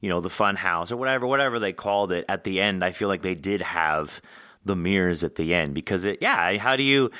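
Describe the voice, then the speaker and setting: Bright, low-voiced man hosting a podcast. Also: lively intonation, fairly quick, no room sound, studio quality. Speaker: podcast host. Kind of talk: casual conversational interview.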